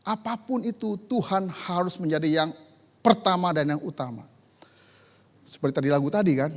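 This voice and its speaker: High-voiced pastor preaching in a reverberant church. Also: male voice, normal speed. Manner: conversational preaching, rising to emphatic declarations. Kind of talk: sermon. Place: church sanctuary.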